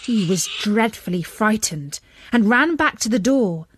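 A woman narrating a children's story in an expressive, dramatic storytelling manner. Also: mid-range voice, unhurried, noisy background.

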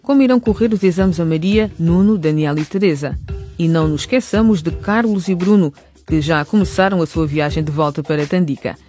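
Higher-voiced male narrator over music. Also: fairly quick, a little mellow. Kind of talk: scripted radio narration.

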